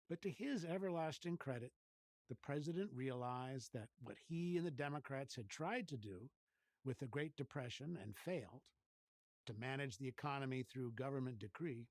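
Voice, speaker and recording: Measured man narrating history. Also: medium pitch, a little mellow, dry recording. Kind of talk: scripted documentary narration.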